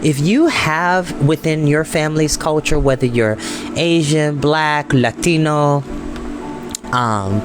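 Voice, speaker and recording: A man's voice: a little high, slow. An American man hosting a storytime show, talking informally and earnestly to online viewers with emphatic, repeated phrases. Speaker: host of a storytime reading show. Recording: soft meditation music behind the voice. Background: meditation music.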